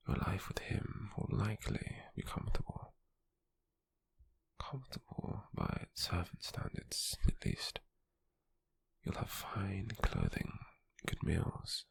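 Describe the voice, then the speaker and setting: A British man acting a cold, possessive slave merchant in an ASMR roleplay, speaking formally and condescendingly in a breathy, gravelly half-whisper close to the mic. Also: low-pitched, heavily acted. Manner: slow, measured, formal, condescending. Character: cold, possessive male slave merchant, controlling yet intrigued captor. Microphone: close microphone, dry.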